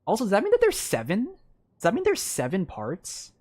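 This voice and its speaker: A man's voice: sits high, wildly swooping pitch, moderate pace, a little mellow, dry recording. A man streaming a game and chatting, rambling with lots of filler words. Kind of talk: live gameplay commentary.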